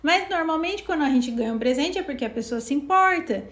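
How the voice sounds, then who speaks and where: A woman's voice: sits high, brisk, roomy sound. A woman co-hosting a self-help live talk, casually explaining and acting out little dialogues. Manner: animated, acts out little dialogues. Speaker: co-host of a self-knowledge live.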